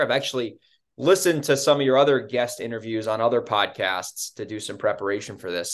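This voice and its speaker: A man hosting a podcast, chatting casually and upbeat with frequent fillers. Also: mid-range voice. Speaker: podcast host. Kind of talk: casual interview chat.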